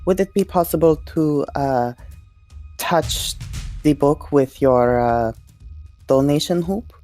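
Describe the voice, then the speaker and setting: A devout, courteous inquisitor acted by a man in a tabletop game. The tone is mellow and the manner formal and deferential. Faint music sits underneath. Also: on the high side, takes it slowly, voice pushed up. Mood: smooth, apologetic.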